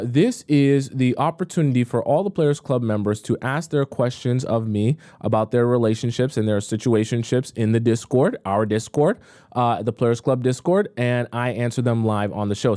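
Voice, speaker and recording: Male live-stream host, casual and chatty, mellow tone, dry close sound. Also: medium pitch, no echo. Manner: chatty, reads messages aloud with asides. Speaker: dating advice host. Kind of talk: live stream reading viewer questions.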